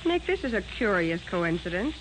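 An actress playing an alert, loyal detective's assistant in a 1940s radio drama, perky, casual and inquisitive. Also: female voice, mid-range voice, very animated, moderate pace, lightly acted. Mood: curious, helpful. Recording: hissy old radio recording.

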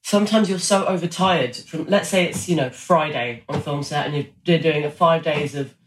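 A man's voice: a little high, moderate pace. A man chatting casually and enthusiastically as an actor being interviewed, telling anecdotes and quoting himself. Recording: roomy echo, background noise.

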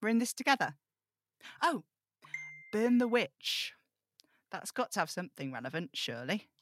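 In an audio drama table read, a woman plays a rambling, fretful young amateur occult investigator who chats, interrupts herself and confides in her listeners, in a wry, musing mood. Her mid-range voice is very animated and fairly bright at normal speed, with no room sound.

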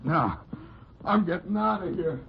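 A tense, defensive emcee, old radio drama, dull sound. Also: male voice, high voice, expressive, a little slow, vocal fry, noisy background, exaggerated voice. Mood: agitated. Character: nervous secretive young man, jumpy and defensive. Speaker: nightclub master of ceremonies. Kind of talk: 1940s radio acting. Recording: muffled old radio recording.

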